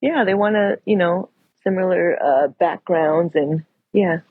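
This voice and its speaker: Husky-voiced woman, chatty and laughing. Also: fairly low pitch, a little slow, dry recording, narrow, tinny audio. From United States. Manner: laughs often, chatty storytelling. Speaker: podcast guest. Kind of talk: casual chat.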